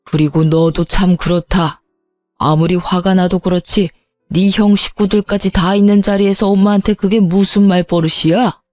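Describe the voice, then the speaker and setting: A woman voicing a stern, gruff elderly father-in-law who speaks slowly. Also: lowish voice, steady tone, a little mellow, no echo, soft background music, lightly acted. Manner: slow, gruff.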